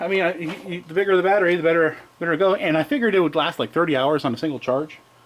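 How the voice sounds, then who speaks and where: Mumbling at a very fast pace, a man speaks in a high pitch with ordinary pitch variation amid noticeable background noise. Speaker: electronics hobbyist and board designer. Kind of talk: casual unboxing tutorial. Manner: halting, many fillers and repeats.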